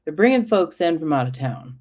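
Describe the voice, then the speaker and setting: Low-voiced woman chatting on a livestream. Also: very animated, fairly quick, a little mellow. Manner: rambling, chatty, drifts off topic. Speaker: livestream host. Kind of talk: casual livestream chat.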